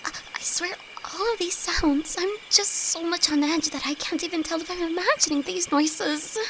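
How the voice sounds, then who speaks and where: A woman's voice: very high voice, steady tone, normal speed. A woman acting a timid, affectionate young apprentice alchemist in an intimate audio roleplay, nervous, stammering and hesitant, speaking to her best friend. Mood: alarmed, confused. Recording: insect and cricket noise behind voice. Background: night forest ambience with crickets.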